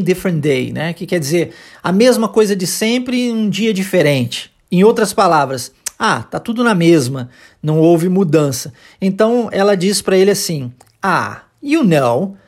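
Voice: medium pitch, a little mellow. A teacher with a Brazilian accent hosting an informal language lesson podcast, speaking conversationally and emphatically, with frequent short check-in tag questions. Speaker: English teacher and podcast host.

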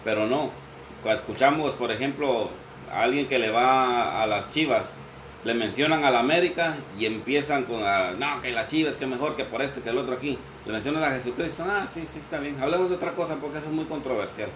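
A man's voice: medium pitch, fairly quick, fairly bright tone. A man co-hosting a casual Catholic talk show, teasing and joking about football rivalries. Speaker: co-host. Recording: roomy with faint background noise.

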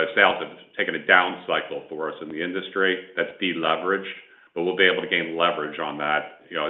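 Male corporate executive, very low voice, measured and emphatic business delivery over an echoey conference line. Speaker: company executive answering analysts. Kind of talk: earnings call answers, corporate talk. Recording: echoey, band-limited conference phone line.

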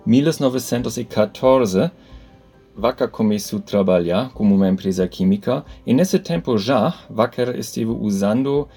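Male interview guest, German accent and native German, halting non-native delivery, dark tone, very slow pace. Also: mid-range voice, breathy edge. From Hamburg, Germany. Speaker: guest, company executive. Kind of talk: podcast interview answers.

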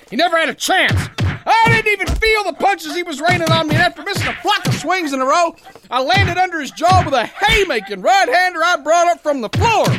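A man's voice: very high voice, background noise. A man playing a big, boastful, gullible boxer who tells his tale in slangy, ungrammatical tough-guy talk for a pulp radio play. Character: big brawling boastful soft-hearted gullible male boxer, slangy narrator.

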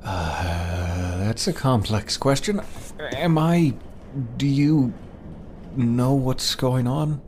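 An actor playing a dazed, wistful fantasy adventurer, speaking hesitantly in a horror audio drama. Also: male voice, mid-range voice, animated, very slow, darkish tone, slight background noise. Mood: confused, wary. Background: music.

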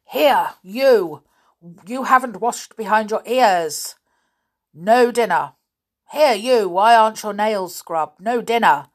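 A woman's voice: a little high, very animated, takes it slowly, pitched above the performer's own voice. A woman voicing a stern, bossy male schoolmaster who roars his orders. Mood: roaring. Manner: shouting, barking orders.

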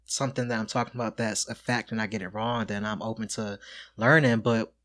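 A trans woman in her twenties from Michigan, co-hosting a podcast in casual chat, with a low, quiet voice, blunt and outspoken. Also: fairly even intonation, fairly quick. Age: 20s. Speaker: podcast co-host.

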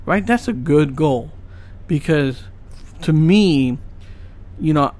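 A man's voice: on the high side, animated, slow pace, darkish tone. A man in his late thirties talking casually and earnestly about his goals, rambling with many fillers and asking "right?" often. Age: 30s. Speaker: podcast host. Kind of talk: casual motivational monologue.

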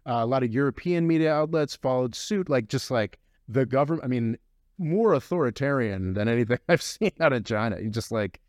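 A man talks through his views on a podcast in a loose, rambling way, firmly opinionated. His voice sits at an ordinary middle pitch. The sound is dry and close. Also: animated, fairly quick, a little mellow, no echo. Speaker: podcast host. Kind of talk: casual podcast discussion.

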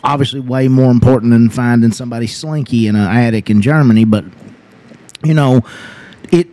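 A man's voice: mid-range voice, steady tone, a little fast, warm tone. Rambling man hosting a casual podcast. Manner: rambling, filler-heavy, laughs often. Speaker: podcast host. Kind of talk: casual chat.

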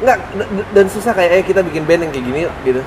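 A man chats with his guest in a loose, friendly manner and laughs easily. His voice is somewhat high for a man. Clear street and traffic noise is heard behind him. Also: expressive, fast. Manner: chatty, laughs often. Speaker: interviewer. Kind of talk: casual interview chat. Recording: outdoor recording with traffic noise.

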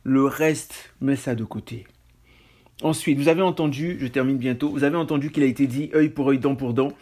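A man's voice: medium pitch, fairly quick, darkish tone. A man preaching a casual sermon on scripture, talking conversationally with self-mocking asides and stammered restarts.

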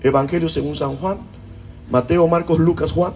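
A man's voice: fairly high pitch, steady tone, moderate pace, a little mellow. A pastor preaching a sermon to his church, often throwing rhetorical questions at the congregation. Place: church service.

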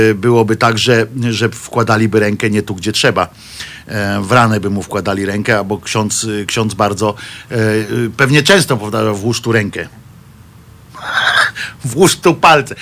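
A man's voice: fairly low pitch, fairly bright tone. A man giving casual satirical commentary as a regular on a weekly show. He rambles and hesitates with many restarts, mocking news stories with dry sarcasm. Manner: mocking the press and clergy with dry jokes.

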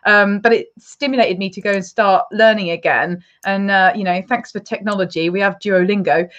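A woman's voice: medium pitch, fairly even intonation, a bit bright. Eager woman interviewer, dull sound. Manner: enthusiastic, quick to react. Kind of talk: casual interview chat.

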